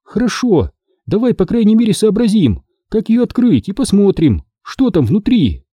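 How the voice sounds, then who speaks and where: A man voicing an excitable, quick-tempered girl in a storybook reading. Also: high-pitched, slightly rough, dry recording, lo-fi sound, pitched above the performer's own voice, heavily acted. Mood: frustrated.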